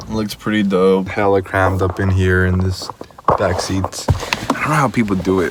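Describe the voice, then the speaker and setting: Moderate pace, with noticeable background noise. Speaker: student, car enthusiast. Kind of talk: casual talk to camera.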